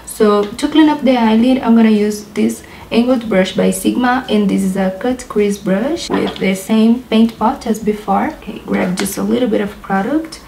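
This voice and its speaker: A young Brazilian woman speaks English with a Brazilian Portuguese accent, in a mellow, warm tone. She chats casually and laughs often as she talks through each makeup step. Her voice echoes a little in an apartment room, with faint noise behind. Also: medium pitch, moderate pace, vocal fry, hardly any pauses. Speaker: beauty vlogger. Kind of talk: makeup tutorial chat. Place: apartment in a big city.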